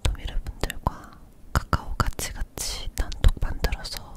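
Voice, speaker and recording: Amid noticeable background noise, a whisper unfolds at a very slow pace. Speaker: ASMR creator. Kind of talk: casual year-end reflection to viewers. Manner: whispered.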